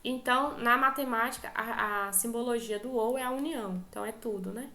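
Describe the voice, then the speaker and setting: A woman's voice: a little high, fairly quick, sharp tone, echoey room. A woman teacher with a Brazilian Portuguese accent, giving an online class lecture and patiently explaining step by step while checking in with her students.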